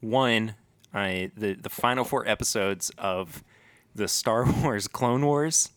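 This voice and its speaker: A man co-hosting a casual podcast, enthusiastic and quick to restart his sentences. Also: lowish voice, fairly bright tone, no room sound. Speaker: podcast co-host. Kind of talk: casual chat.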